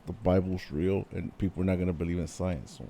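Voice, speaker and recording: Deep mellow dude, kinda gravelly, laid back podcast talk. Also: male voice, fairly even intonation, fast, a little hiss or hum. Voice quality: deep, smooth low voice. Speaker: podcast co-host. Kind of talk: casual chat.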